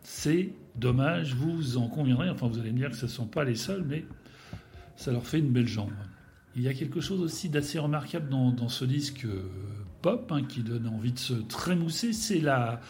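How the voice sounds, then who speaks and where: A man's voice: mid-range voice, expressive, moderate pace, a little mellow, a little hiss or hum. A man with a Spanish accent giving a casual radio music chronicle in a playful, rambling way, hesitating often.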